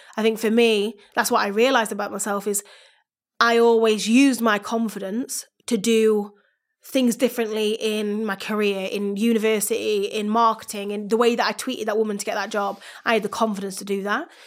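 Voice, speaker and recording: In a northern English accent, a woman speaks at a fairly high pitch and a fairly quick pace with monotone, flat intonation. The recording is very clean, with a silent background. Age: 20s. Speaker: agency founder and CEO. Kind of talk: casual interview.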